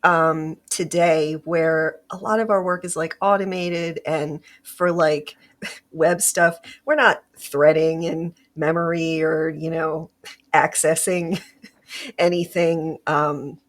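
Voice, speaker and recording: A woman's voice: deep voice, level tone, slow. Upbeat woman podcast host. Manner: upbeat, laughs often. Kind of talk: casual interview chat.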